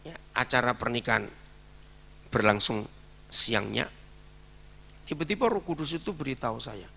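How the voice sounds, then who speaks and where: A man's voice: mid-range voice, moderate pace, vocal fry, sharp tone, slightly rough. A man preaching a sermon with an Indonesian accent, telling a story and acting out the dialogue in it.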